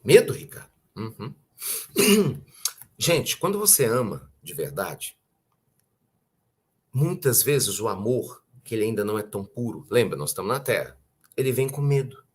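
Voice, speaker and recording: A man with a Brazilian accent giving a conversational spiritual talk, often asking rhetorical questions and clearing his throat. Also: mid-range voice, sing-song, normal speed, pauses often. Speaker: spiritual teacher.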